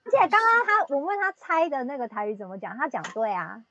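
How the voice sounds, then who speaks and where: Woman, Taiwanese accent, high voice, very varied intonation, casual chat, slightly muffled call audio. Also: big pitch swings, quick pace, over a noisy crowd.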